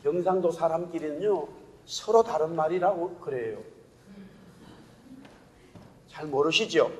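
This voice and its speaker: A male pastor with a Gyeongsang Korean accent preaching a sermon, telling stories lively and asking the congregation rhetorical questions. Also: a little high, moderate pace, a little hiss or hum. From Gyeongsang region, Korea. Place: church sanctuary. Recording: long church-hall reverb.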